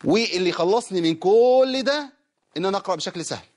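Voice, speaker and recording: A man with an Egyptian Arabic accent teaches Quran recitation on a broadcast program. His voice sits a little high for a man. He moves between brisk explanation and slow, melodic chanting of verses. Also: expressive, a little mellow. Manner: explains rules then chants verses of a didactic poem slowly. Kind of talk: Egyptian Arabic religious lesson on a broadcast show.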